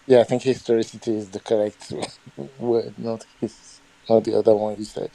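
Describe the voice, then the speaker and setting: A man's voice: lowish voice, level tone, moderate pace, creaky, dark tone, low-quality recording. A man who is not a native English speaker, chiming into a debate in a wry, musing way. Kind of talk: casual debate chat.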